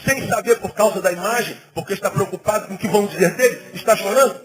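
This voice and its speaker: High-voiced animated preaching man. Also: fast, over music, rough recording. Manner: animated, conversational preaching with rising emphatic peaks. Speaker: pastor. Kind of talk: sermon. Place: church.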